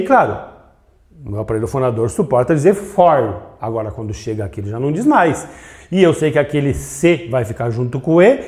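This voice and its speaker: Lively-pitched man teaching grammar. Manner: explains step by step, asks and answers his own questions; stretches out syllables to demonstrate. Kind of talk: video grammar lesson.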